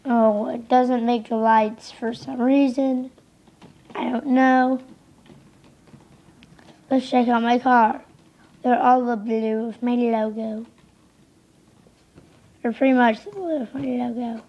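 Slow, flat-voiced young woman with a sick voice. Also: on the high side. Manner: rambling, offhand, easily distracted. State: losing voice, sick. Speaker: gameplay commentator. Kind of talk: casual game commentary. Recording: slightly dull lo-fi home recording.

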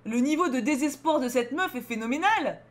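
Her voice sits high and moves fairly quickly as this young French-accented streamer plays a story game. She jokes loudly, reads the game text aloud and shifts between expressive outbursts and low mutters in her casual commentary.

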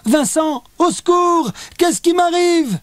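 A man voicing a stubborn, outspoken little girl in a children's audiobook, talking high and insistent. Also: big pitch swings, dark tone, no echo. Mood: panicked. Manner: high, insistent, quick when arguing.

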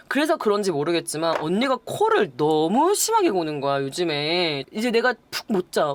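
A woman's voice: fairly low pitch, a little hiss or hum. A young woman chattily telling a true ghost story, acting out the gasps and voices of the people she describes. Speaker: YouTube storyteller. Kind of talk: casual spoken ghost story.

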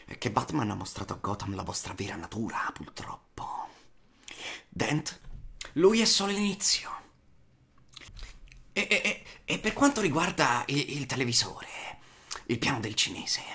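Unhinged clown crime boss: taunting, halting, lively swooping pitch, sudden whispers, film dub. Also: male voice, creaky, exaggerated voice. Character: unhinged male clown crime villain, mocking and theatrical. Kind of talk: amateur film dubbing in Italian.

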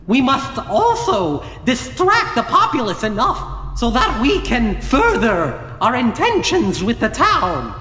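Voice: medium pitch, wildly swooping pitch, slow pace, few pauses, sharp tone, reverberant, long reverb tail, pitched above the performer's own voice, exaggerated voice. A game master voicing a haughty, gloating villain who schemes and lectures an underling in a fantasy audio game.

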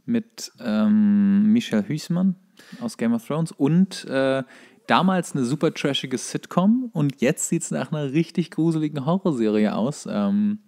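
A man's voice: medium pitch, animated, unhurried, dark tone. A man, a podcast co-host, chatting casually about films and series. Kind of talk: casual film and series chat.

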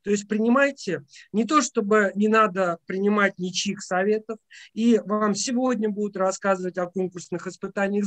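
Higher-pitched man, halting explanatory talk. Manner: hesitant, halting, with frequent drawn-out filler pauses. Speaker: education academic briefing teacher contest finalists. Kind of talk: semi-formal explanatory briefing, unscripted speech.

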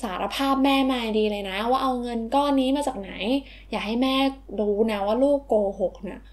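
A woman's voice: a little high, moderate pace, close to an everyday voice. A woman voicing a mother in a toy story, firm and lecturing toward her son. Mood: stern. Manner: firm, lecturing, sweet endings. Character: stern but caring mother scolding her son.

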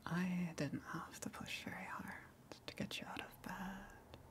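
A woman playing a gentle eldritch tentacle monster in an ASMR roleplay, coaxing and soothing in a breathy whisper with long pauses. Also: lowish voice, level tone, close to an everyday voice. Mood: reassuring, luring.

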